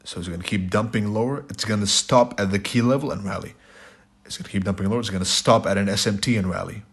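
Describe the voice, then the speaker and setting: A man with a raspy, hoarse voice teaching a trading lesson over slides, blunt and repetitive, often checking in with "right?". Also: fairly low pitch, quick pace. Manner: blunt, repeats "right?" and "it's your fault". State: hoarse, sore throat. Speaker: trading instructor.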